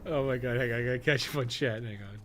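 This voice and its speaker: A man's voice: mid-range voice, quick pace, a bit bright. A man giving casual, rambling live-stream game commentary, swearing and joking with his chat as he plays.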